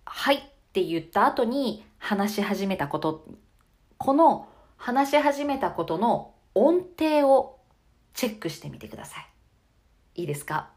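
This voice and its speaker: A woman hosting her own podcast as a voice coach, talking through how speech turns monotone and demonstrating pitch changes. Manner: lively, demonstrative, varies her pitch on purpose. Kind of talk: solo podcast lesson on speaking.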